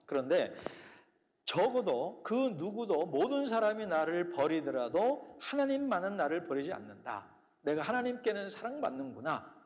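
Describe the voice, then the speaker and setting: A man preaching in a church, his slightly high voice carried by a long hall reverb. He tells his own story earnestly and often sinks into soft, hushed phrases. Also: sing-song, moderate pace. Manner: earnest testimony, drops to soft quiet phrases. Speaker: pastor. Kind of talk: sermon. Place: church sanctuary.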